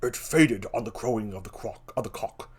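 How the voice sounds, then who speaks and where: A man's voice: on the low side, normal speed, slightly rough. A man voicing an awed, pious soldier on watch in a stage tragedy, reciting reverently in a Shakespearean style. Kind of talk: theatrical Shakespearean reading.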